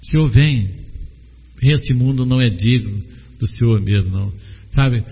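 A man's voice: mid-range voice, normal speed, husky. A man preaching a sermon, questioning the congregation and calling on members by name. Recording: long hall reverb, dull lo-fi sound.

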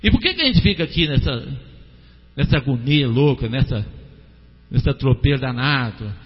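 A man preaching a sermon, with an animated delivery that swings between loud exhortation and soft prayer, calling on listeners by name. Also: medium pitch, moderate pace, husky. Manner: addresses listeners by name, asks them to respond. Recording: dull, lo-fi, echoey hall recording with hum.

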